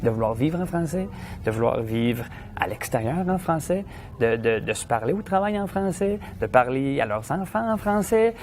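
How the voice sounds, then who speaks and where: A man's voice: medium pitch, a little hiss or hum. A man with a Franco-Ontarian French accent, a comedian and actor telling stories in an interview. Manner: animated storytelling, quick restarts.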